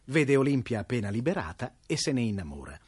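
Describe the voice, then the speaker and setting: A man narrating a classic tale for radio in a lively, wry storytelling manner. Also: medium pitch, fast, slightly rough, dry recording.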